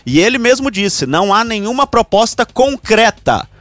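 A man talks football on a sports show. His voice sits a little high, and he explains things in an even, methodical way. The sound is close and dry. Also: normal speed, no echo. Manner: steady, explanatory, cites figures. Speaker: sports radio commentator. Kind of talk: sports talk show discussion.

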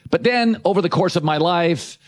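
A man's voice: sits high, moderate pace. A middle-aged man hosting a sports talk show, giving brash, emphatic opinions in short punchy sentences.

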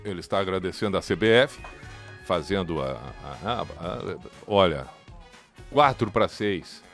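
A man with a Brazilian Portuguese accent hosting a live radio show, narrating an event as it happens in an excitable, urging way. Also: low voice, measured pace, faint music behind. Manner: excitable, urging, running play-by-play. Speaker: radio host. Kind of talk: live commentary chat.

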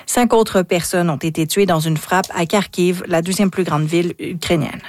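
A woman anchor reading a radio newscast in a steady, measured way. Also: fairly low pitch, no room sound. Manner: steady, measured news delivery. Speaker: news anchor.

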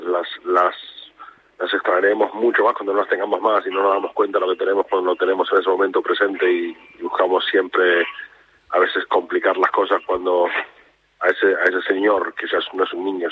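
A man with an Argentine accent, a national hockey coach, speaking calmly and reflectively in a radio phone interview, with many restarts. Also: sits low. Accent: Argentine Spanish. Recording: tinny phone line with faint noise.

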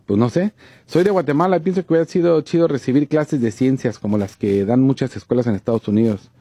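A man's voice: medium pitch, fast talker, warm tone, slightly rough, dry recording. A man co-hosting a radio show, laid-back, reading listener messages in casual banter.

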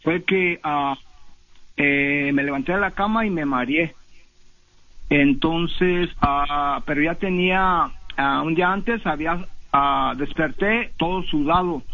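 A man calls in to a radio show to tell his own story, stumbling through it with fillers and restarts. His voice is husky and a little high for a man. He comes through a thin, tinny phone line. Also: pushed and bright. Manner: halting, many fillers and restarts. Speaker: caller. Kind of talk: telling a personal story on a call-in show.

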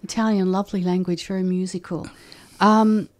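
An older woman from Australia who grew up speaking a German dialect at home, recalling her childhood in an oral history interview, pausing often with ums and restarts. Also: medium pitch, level tone, darkish tone. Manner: reflective, hesitant, with many ums and restarts.

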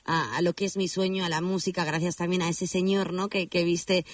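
A man's voice: high-pitched, little pitch movement, brisk, dry recording, recorded from a distance. A man interviewing a singer, asking friendly, rambling questions. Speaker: interviewer and journalist.

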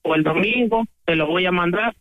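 A man with a Mexican accent talking casually with his mother on the phone, hesitant and filling his pauses. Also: sits high, no room sound, highs cut off. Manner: hesitant, fills pauses with "este". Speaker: father calling his mother.

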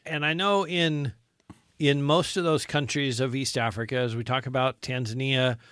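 A man's voice: medium pitch, steady tone, normal speed, fairly bright tone, clear, resonant tone, no room sound, studio quality. Encouraging man hosting a faith show. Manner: conversational, encouraging, with frequent fillers and repeats. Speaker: radio show host. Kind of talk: faith interview.

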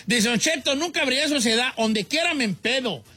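A man voicing a high, bright old Mexican rancher host. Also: expressive, a little fast, soft background music, exaggerated voice. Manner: joking, laughs often, teasing. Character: folksy older Mexican man, joking ranch-style host. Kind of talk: comedy talk show reading listener comments.

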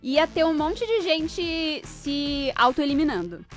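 A young woman hosting a casual chat, talking in an animated, jokey and emphatic way. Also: sits high, slow pace, soft background music. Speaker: host.

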